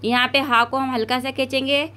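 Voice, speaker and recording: A Quran recitation lesson is given step by step by a woman with a South Asian Urdu accent, who slowly stretches each word to model it before explaining in quick bursts. Her voice is high-pitched and sharp, held at a level tone.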